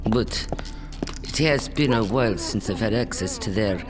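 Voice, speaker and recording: A man's voice: on the low side, expressive, music in the background, lightly acted. A man playing a cautious, dutiful crew henchman with formal, careful wording in a science fiction audio drama. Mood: businesslike. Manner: formal, measured wording without casual slang.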